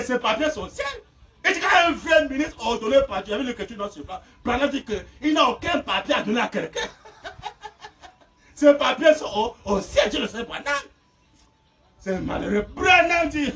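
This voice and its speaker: A man preaching a fiery sermon, shouting and laughing between phrases. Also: very high-pitched. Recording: distant mic with faint noise.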